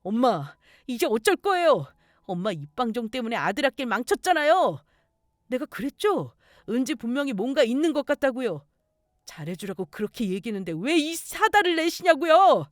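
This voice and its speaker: A woman's voice: a little high, very animated, brisk, a little mellow, no echo, clean studio sound. A woman voicing a greedy young man, the heroine's fiancé, who pleads and whines. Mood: whining.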